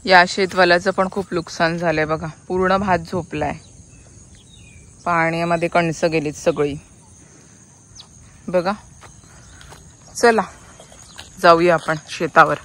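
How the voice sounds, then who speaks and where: A young woman vlogging outdoors on a village farm, chatty and quick to laugh as she calls out to her family. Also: fairly low pitch, steady tone, a bit bright. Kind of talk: casual vlog narration.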